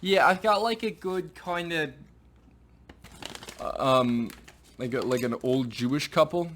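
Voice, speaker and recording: A man reviewing snacks in a casual vlog, chatty and animated with playful asides. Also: a little high, measured pace, a little hiss or hum.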